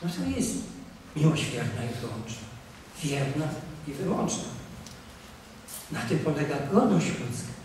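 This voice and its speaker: An older man, a priest, gives a lecture on marriage at a conference table, with emphatic appeals and quiet asides. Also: on the high side, big pitch swings, unhurried, long pauses. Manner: emphatic, exhorting, swings between loud appeals and quiet asides. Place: conference room, seated at a table. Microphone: table mic, camera from across the room. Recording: very echoey room, voice from a distance, faint noise.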